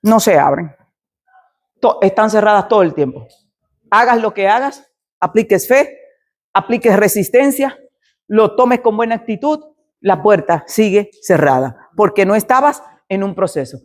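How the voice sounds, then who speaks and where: A woman's voice: mid-range voice, animated, moderate pace. Middle-aged woman pastor, mid-range voice, sermon testimony told dramatically, plays out the dialogue herself. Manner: dramatic storytelling, acts out quoted dialogue.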